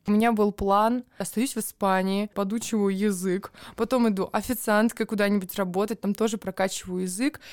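A young woman from Siberia, co-hosting a podcast and telling stories about her student years in a casual, animated way. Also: medium pitch, no echo, studio quality. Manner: animated storytelling with playful impressions and laughter. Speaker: podcast co-host. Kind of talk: casual chat.

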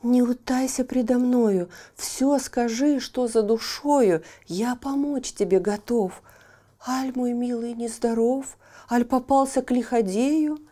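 A woman voicing a kind, wise little humpbacked horse in a storybook tale, gentle, caring and soft. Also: a little high, takes it slowly, voice pushed up.

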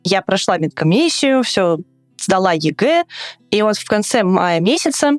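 A woman in her twenties from Russia, talking casually and at length as an interview guest, an animated storyteller in a recording studio. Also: mid-range voice, moderate pace, no echo, faint music behind. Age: 20s. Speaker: interview guest, travel writer and swimming coach.

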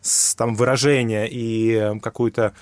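A man's voice: mid-range voice, little pitch movement, unhurried, no echo. A man explaining how to study a language in a conversation, thinking aloud with many fillers and restarts. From Russia. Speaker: guest, English teacher.

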